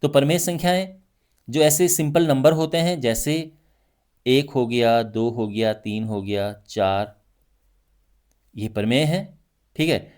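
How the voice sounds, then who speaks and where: A male math teacher with a Hindi accent explains a lesson in an animated way. His voice sits at a middle pitch, but he swings up high to stress a point and drops low when he lists things. He keeps checking in and repeats himself so his students follow. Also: measured pace, long pauses. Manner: lively, repetitive teaching with frequent check-ins.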